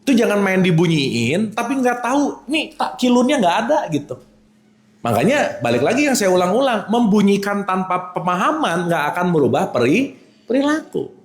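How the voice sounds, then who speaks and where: A man delivers a relaxed religious lesson, his voice swinging widely up and down as he teases and checks on his listeners. He sits slightly high for a man. The room adds a clear echo. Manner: animated, teasing, checks in with the audience. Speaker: religious teacher. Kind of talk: casual religious lecture.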